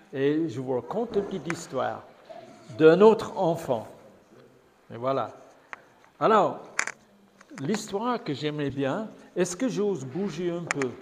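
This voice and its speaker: An older man with an English accent, a guest preacher telling a gentle story to children in church. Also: a little high. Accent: English-speaking. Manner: gentle, slow and lively storytelling. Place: church hall. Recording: church hall reverb, faint noise.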